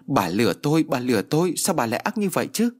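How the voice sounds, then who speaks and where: A man's voice: mid-range voice, big pitch swings, fast talker, voice pushed up. A man voicing a desperate young wife and mother who pleads in anguish in a spoken story.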